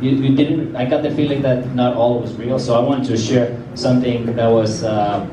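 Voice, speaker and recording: A man from Iceland talks haltingly on a panel, full of fillers and restarts. He sits well back from the mic in an echoing hall. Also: mid-range voice, fairly even intonation, background noise. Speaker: panelist, travel creator. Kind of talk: panel introduction. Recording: echoey hall from far off.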